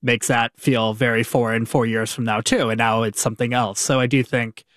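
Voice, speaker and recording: A male business reporter as a guest on a radio panel. He talks casually and haltingly, restarting sentences and leaning on fillers. His pitch sits in the middle range, and the recording is dry. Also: flat delivery, fairly bright tone, dry recording.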